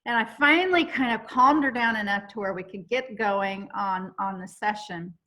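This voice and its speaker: A woman hosting a chat, telling a long story in an animated, rambling way with many restarts. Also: medium pitch, moderate pace. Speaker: host.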